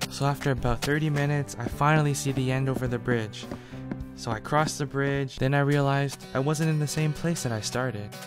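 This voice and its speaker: Over music in the background, a man with a medium-pitched voice talks at a fairly quick pace with fairly even intonation. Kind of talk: personal story narration. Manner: monotone.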